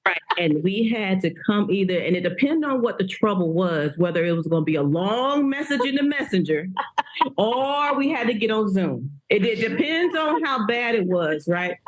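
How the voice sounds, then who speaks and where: A woman guest on a podcast, telling stories in an animated, laughing way. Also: medium pitch, normal speed, a little hiss or hum, rough recording. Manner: animated storytelling, frequent laughter. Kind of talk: casual conversation.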